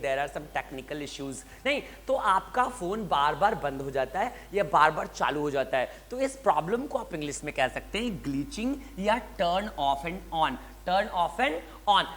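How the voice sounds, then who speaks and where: A man teaching spoken in a bilingual lesson. He repeats example sentences slowly and deliberately, with a lively, emphatic coaching tone. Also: fairly high pitch. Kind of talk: bilingual lesson, Hindi explaining English phrases.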